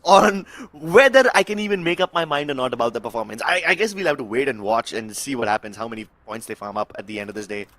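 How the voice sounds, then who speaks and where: A man's voice: medium pitch, animated, fast talker, hardly any pauses, a bit bright, dry recording. A man working as an esports caster, giving emphatic live analysis and commentary on game action.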